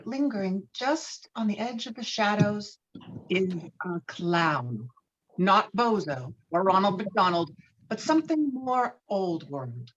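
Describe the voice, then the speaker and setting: A woman reading screenplay stage directions as dramatic scripted narration. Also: medium pitch. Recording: slightly dull, lo-fi microphone.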